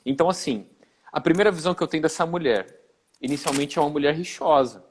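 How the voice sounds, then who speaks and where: A man on a live Bible discussion, telling the stories in a lively, slangy way and acting out the quoted dialogue. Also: on the high side, fast, a little hiss or hum. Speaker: guest Bible teacher.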